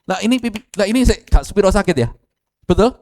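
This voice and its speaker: Middle-aged East Javanese male pastor, animated preaching, speaks to the pews. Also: sits high, quick pace. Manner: animated, addresses congregation directly, mixes Javanese phrases. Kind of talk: lively sermon with acted quotes.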